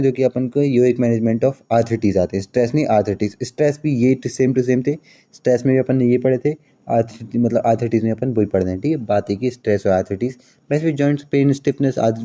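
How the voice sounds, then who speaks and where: A young man coaching students through exam material, talking casually and going over key terms again and again. His voice is very dark and mellow, in a middle pitch. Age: young adult. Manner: chatty, repeats key terms, mixes in English phrases. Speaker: teacher. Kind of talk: casual exam-prep lesson.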